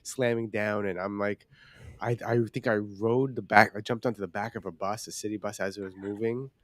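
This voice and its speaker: A male podcast co-host with a fairly low voice in a very dry recording. He talks casually and informally, with swearing mixed in. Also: fairly even intonation, brisk, a bit bright, dry recording. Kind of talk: casual chat.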